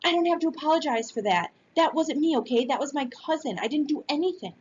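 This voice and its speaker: Woman doing a shouting, defiant schoolboy bully. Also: very high-pitched, sing-song, normal speed, lo-fi sound, slight background noise, voice pushed up. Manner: yelling, defiant. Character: angry defensive schoolboy bully.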